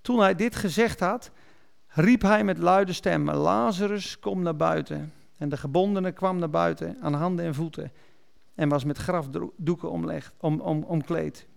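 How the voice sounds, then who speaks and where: A man's voice: on the high side, a little slow, creaky. A man preaching, reading Bible verses aloud and explaining them, correcting small slips as he goes. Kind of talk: sermon reading and explaining scripture.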